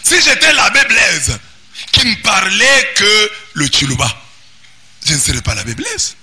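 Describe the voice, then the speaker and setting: Man, Congolese French accent, priest, high-pitched, very bright, preaching sermon. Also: measured pace, slightly rough. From Democratic Republic of the Congo. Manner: animated preaching, often shouting and singsong. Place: parish church.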